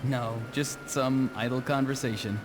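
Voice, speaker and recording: An actor playing an earnest, slightly odd young loner who gardens, in a video game, speaking plainly and matter-of-factly. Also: male voice, medium pitch, steady tone, a little slow, noisy background, lightly acted. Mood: gentle, calm. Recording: music behind the voice.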